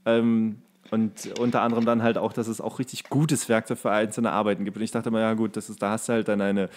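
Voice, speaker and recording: A man's voice: fairly low pitch, level tone, fast, darkish tone. Rambling man in casual podcast chat. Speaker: podcast co-host.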